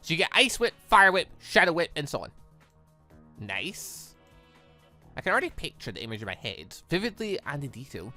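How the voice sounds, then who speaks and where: A host reading a visual novel aloud in an animated, rambling way, slipping between the script and off-the-cuff reactions. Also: medium pitch, normal speed, faint music behind. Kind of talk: lively read-along commentary with ad-libbed asides.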